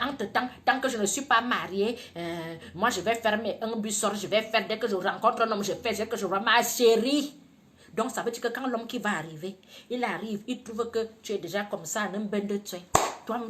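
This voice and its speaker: A woman from Cameroon gives casual advice to women, telling stories with teasing asides and acting out the people in them. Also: medium pitch. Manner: animated storytelling, teasing asides, acts out quoted people. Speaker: video blogger giving advice to women.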